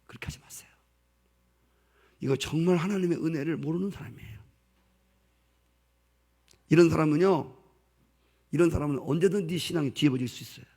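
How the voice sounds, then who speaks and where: A male pastor preaching a sermon, acting out voices and swinging between loud outbursts and hushed asides. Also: fairly high pitch, brisk, long pauses.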